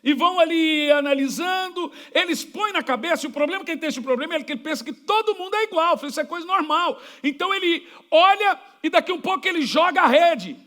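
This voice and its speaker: A Brazilian man preaching a sermon in church, his voice sitting unusually high. He tells jokey stories and acts out the people in them. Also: animated, quick pace, few pauses, sharp tone. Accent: Brazilian Portuguese. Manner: storytelling, jokey, acts out quoted dialogue. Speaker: pastor.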